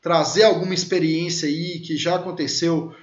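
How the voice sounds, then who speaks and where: A man's voice: on the high side, fairly even intonation, normal speed. A man in his thirties, a law lecturer, teaching through chatty personal stories with many fillers and questions to his listeners. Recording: echoey, dull lo-fi room sound.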